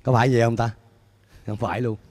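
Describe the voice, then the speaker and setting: A middle-aged man preaching a sermon as pastor on a church stage with a handheld mic, animated and putting questions to the congregation. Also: medium pitch, fast. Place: church stage before a large screen, indoors. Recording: long hall reverb in a large church.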